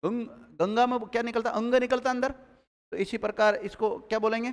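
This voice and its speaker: A man's voice: very high-pitched, fairly even intonation, fairly quick, clear, resonant tone, big-room sound. A man teaching a live grammar class, drilling students with repeated questions and calling on them by name.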